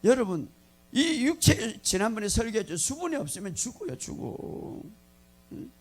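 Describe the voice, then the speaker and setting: A male pastor preaching a sermon, telling a story with lively acted-out lines and frequent laughter. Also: high voice, normal speed. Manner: animated storytelling, acting out lines, laughing often.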